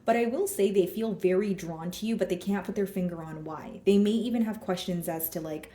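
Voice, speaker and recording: A woman giving a casual tarot reading with a hoarse, scratchy throat, thinking aloud as she draws cards and talks straight to her viewers. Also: medium pitch, a little fast, warm tone, reverberant. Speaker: tarot card reader.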